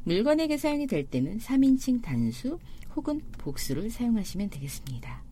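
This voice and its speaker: Husky lively teacher woman. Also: a little high. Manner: clear explanatory, slows to spell out example sentences. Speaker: Spanish teacher. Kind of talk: language lesson narration.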